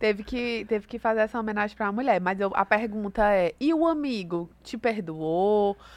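A woman talks in a plain, everyday voice, fairly high in pitch with ordinary pitch variation, at a moderate pace with hardly any pauses against a quiet background. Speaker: podcast co-host. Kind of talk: casual interview.

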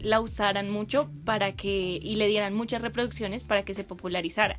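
A woman speaks in a plain, everyday voice of medium pitch, with ordinary pitch variation. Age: 20s. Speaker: podcast co-host. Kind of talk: casual chat.

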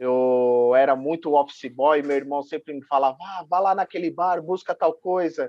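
A man speaks in a plain, everyday voice with a fairly high pitch. His intonation is fairly even and his pace moderate. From São Paulo, East Zone. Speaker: restaurant owner. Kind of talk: casual interview chat.

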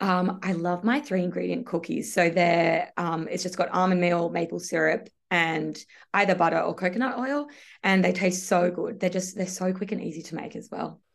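An Australian accent marks this woman's speech, delivered at a moderate pace with vocal fry. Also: medium pitch for a woman, ordinary pitch variation. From Australia, Sydney. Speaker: recipe content creator and pilates instructor. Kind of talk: casual interview chat.

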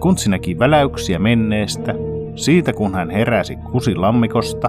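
Someone reads in an unforced reading voice.

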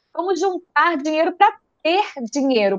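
A woman with a Rio de Janeiro accent speaks fairly slowly at an extremely high pitch, with lively intonation. The recording is dry and close, with no echo. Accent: carioca. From Rio de Janeiro, Brazil. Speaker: financial coach. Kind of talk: live-stream interview.

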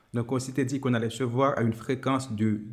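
Over a silent background in a very clean recording, a man speaks with an unremarkable speaking voice. His medium pitch follows a fairly even intonation. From Haiti. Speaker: podcast guest sharing personal story. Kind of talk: interview testimony.

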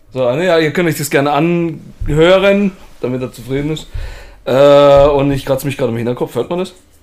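This man has an unremarkable speaking voice, fairly high in pitch. He talks at a fairly quick pace with ordinary pitch variation. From Baden, Karlsruhe. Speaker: podcast host. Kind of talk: casual chat.

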